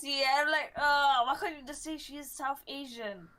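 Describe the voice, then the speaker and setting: A woman chatting casually on a podcast, talkative and quick to laugh. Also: high-pitched, fairly even intonation, pushed and bright. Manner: chatty, laughs easily, self-conscious. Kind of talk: casual chat.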